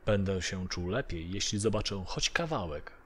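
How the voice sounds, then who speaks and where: A man's voice: low-pitched, expressive, normal speed, slight background noise. A man narrating a first-person horror story from a script. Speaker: narrator of audio horror stories.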